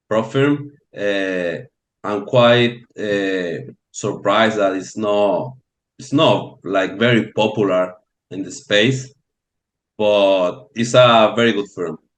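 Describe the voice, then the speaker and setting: A man with a Venezuelan accent talks at a very slow pace. His pitch sits fairly low and varies in an ordinary way. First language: Spanish. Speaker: trader. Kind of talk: interview. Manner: halting, with many repetitions and fillers.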